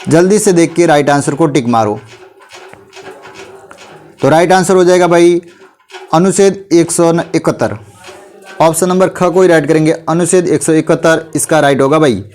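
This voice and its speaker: A man's voice: on the high side, a little mellow. A male teacher with a sore throat, running a quiz revision class and urging students on with repeated friendly address. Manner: repeats "bhai", urges students to answer quickly.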